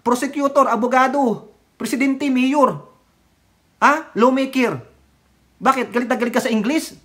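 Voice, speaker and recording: A vlogger ranting about politics in a casual, mocking way, laughing often, swearing, and jumping sharply in pitch and loudness. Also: normal speed.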